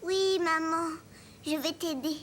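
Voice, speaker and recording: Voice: very high-pitched, fairly even intonation, slow pace, fairly bright tone, a little hiss or hum, exaggerated voice. An actor voicing a small, curious three-year-old boy in a children's cartoon, with childlike, simple phrases. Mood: eager.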